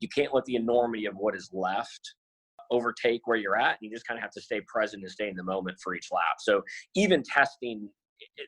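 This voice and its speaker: A man talks in a plain, everyday voice with ordinary pitch variation. The sound is dry and close, without echo. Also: big swings in loudness. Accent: American. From US South (Birmingham, Alabama). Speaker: endurance athlete and entrepreneur. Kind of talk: podcast interview.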